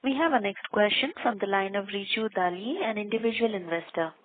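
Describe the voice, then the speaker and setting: A woman's voice: medium pitch, brisk. Woman operator on a tinny phone line. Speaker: conference call operator. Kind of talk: scripted call announcements. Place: conference call.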